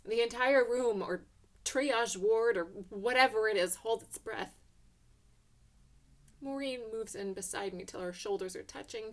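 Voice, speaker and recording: A woman reading a literary short story in the first person, with intense, theatrical delivery. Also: fairly high pitch. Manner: intense, theatrical, hushed passages swelling to emotional peaks.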